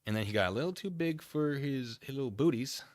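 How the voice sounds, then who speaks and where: A man's voice: mid-range voice, animated, a little fast, dry recording, studio quality. A man hosting a livestream, giving casual, rambling commentary with playful, self-deprecating asides and chat with his viewers.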